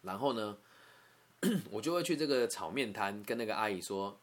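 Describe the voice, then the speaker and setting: A man's voice: lowish voice, expressive, normal speed. A young man from Taiwan with a Taiwanese Mandarin accent, telling a personal story in an emotional, conversational way. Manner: emotional, conversational, repeats words and asks "you know?".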